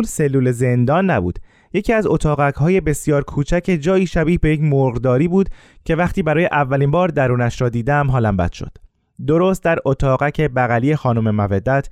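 A man narrating a first-person story in a calm, measured way, with scripted narration. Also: medium pitch, dry recording.

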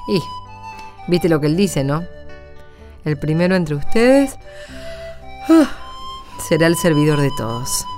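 An actress with an Argentine accent playing a gentle, devout woman in a radio drama. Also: low-pitched, expressive, slow pace, long pauses, soft background music. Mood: tender.

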